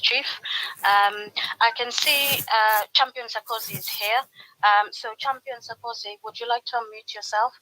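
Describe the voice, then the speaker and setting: Woman hosting a zoom panel, polite, bright voice. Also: medium pitch, poor audio. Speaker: moderator. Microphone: video call.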